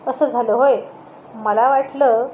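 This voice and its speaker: A woman voicing a curious, gently teasing middle-aged mother in a storybook reading. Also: fairly high pitch, fairly even intonation, takes it slowly. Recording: roomy echo, faint noise.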